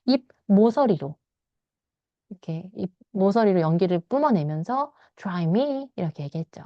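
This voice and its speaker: Korean teacher reading English slowly aloud. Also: female voice, medium pitch, expressive, dry recording, highs cut off. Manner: reads English lines slowly, then explains in quick Korean. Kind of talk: bilingual read-aloud lesson, explaining a novel.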